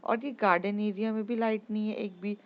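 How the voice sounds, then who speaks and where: A woman's voice: medium pitch, steady tone, fairly quick, highs cut off, close to an everyday voice. A woman voicing Naina, an emotional, moody young woman, in a storytelling podcast with a pouting, demanding manner. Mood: puzzled.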